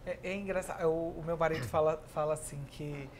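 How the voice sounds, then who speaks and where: A woman's voice: low voice, steady tone, brisk, slight background noise. A woman in her thirties with a Brazilian accent, hosting an interview in a chatty, agreeable way. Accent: Brazilian Portuguese. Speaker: talk show host. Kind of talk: interview chat. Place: pink decorated studio set, indoors.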